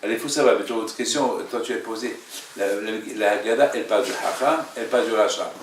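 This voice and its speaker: Halting, emphatic man teaching in an echoey room. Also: lowish voice, a little hiss or hum. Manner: repeats phrases, halting, emphatic. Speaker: religious teacher, rabbi leading a class. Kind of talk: informal religious lesson with questions. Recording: echoey room, mic at a distance.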